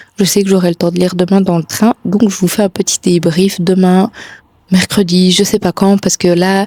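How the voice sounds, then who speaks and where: A woman talks at a moderate pace with a medium pitch and a dark, mellow tone. The sound is dry and close, with no echo. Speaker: book vlogger. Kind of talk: casual vlog. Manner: whispering.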